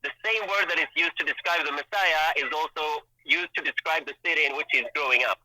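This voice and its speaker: Bright-voiced man, native Hebrew speaker. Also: a little high, brisk, dry recording, low-quality recording. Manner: thoughtful, hesitant with many restarts. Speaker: guest language expert. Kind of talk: casual explanatory chat.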